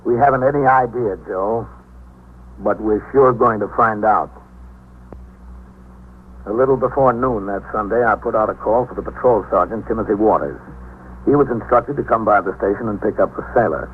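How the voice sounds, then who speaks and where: An actor as a calm, low-voiced precinct captain. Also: male voice, natural voice. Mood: steady. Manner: measured, deliberate. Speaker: narrator and police captain. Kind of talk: 1950s radio drama acting. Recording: tinny old radio broadcast with faint hiss.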